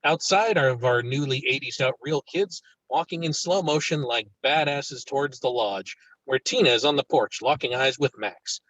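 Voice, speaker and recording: A man's voice: medium pitch, moderate pace, few pauses, a bit bright, no echo, lo-fi sound. A man reading stage directions as narrator in a virtual table read of a film script.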